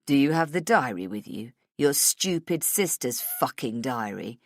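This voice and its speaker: A woman's voice: extremely low pitch, expressive, measured pace, no echo, clean studio sound, voice pushed down, heavily acted. A woman voicing a menacing, cruel male villain in an audiobook, mocking with a sing-song delivery. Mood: cold, demanding.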